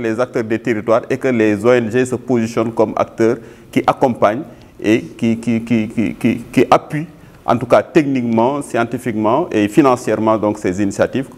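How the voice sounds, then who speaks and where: A man with a medium-pitched voice gives a formal interview statement as a local official. He speaks haltingly, often repeating a word while he looks for the next one. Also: darkish tone.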